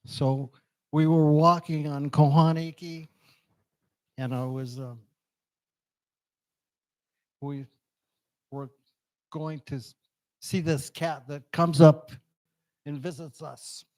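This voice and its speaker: A man with a low voice telling a story at a church gathering, talking slowly and haltingly, searching for words after strokes. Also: steady tone, darkish tone, poor audio. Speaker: congregation member sharing a story. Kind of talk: halting personal testimony. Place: church hall. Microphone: handheld microphone.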